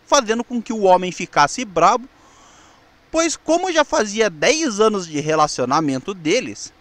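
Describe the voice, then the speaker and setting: Male presenter, Brazilian accent, high-pitched voice, explanatory narration, semi-scripted delivery, occasional stumbles. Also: fairly bright tone, dry recording. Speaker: presenter of a weekly history channel.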